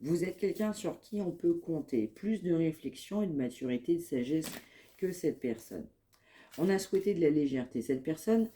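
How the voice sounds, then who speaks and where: A woman with a head cold giving a spoken psychic reading to her viewers, in calm, measured, repetitive phrasing. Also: low-pitched. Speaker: medium giving a card reading.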